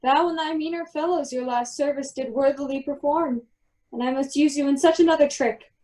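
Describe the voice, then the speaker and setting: High-pitched woman as commanding magician duke. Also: brisk, mellow, close to an everyday voice. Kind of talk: Shakespeare performed as a radio play.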